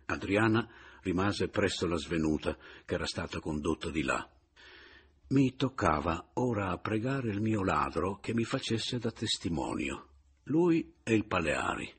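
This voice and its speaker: A man narrating a literary audiobook with an expressive, dramatic reading. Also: deep voice, measured pace, breathy edge. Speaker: audiobook reader.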